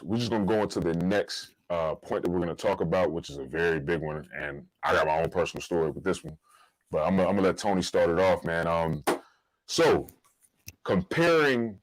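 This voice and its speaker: A man's voice: sits low, no echo, low-quality recording. An American man hosting a podcast, talking casually in informal slang as he shares personal stories and advice. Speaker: podcast host.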